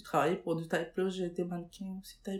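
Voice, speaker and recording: In a Spanish accent, a woman speaks at a fairly low pitch with monotone, flat intonation. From Chile. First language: Spanish (speaking French). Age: 30s. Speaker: plus-size clothing shop owner. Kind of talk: interview. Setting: living room on leather sofa.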